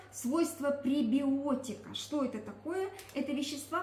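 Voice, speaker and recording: A woman's voice: sits high, darkish tone. A woman giving a product presentation, explaining emphatically and often asking questions that she answers herself. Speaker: presenter promoting a nutrition product. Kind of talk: product presentation talk to a group. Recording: echoey room with faint background noise.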